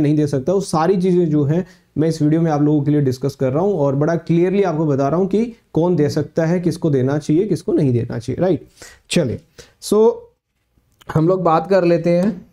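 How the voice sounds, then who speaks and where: A man coaching law students, explaining exam eligibility in a repetitive lecture style and slowly reading official text aloud. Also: a little high, warm tone. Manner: explanatory, repeats points, mixes English phrases; reads notification lines aloud slowly.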